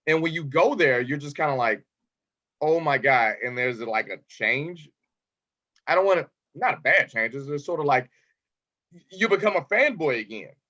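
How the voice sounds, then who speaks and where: A man's voice: on the high side, animated, moderate pace, sharp tone. A man hosting a podcast interview, chatty and proud of his home town. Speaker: podcast host. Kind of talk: casual interview chat. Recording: slightly dull lo-fi audio.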